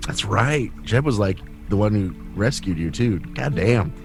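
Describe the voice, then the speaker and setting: A man casually narrates his character's actions on a tabletop game podcast. His voice is fairly low, over faint music. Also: lively intonation, measured pace.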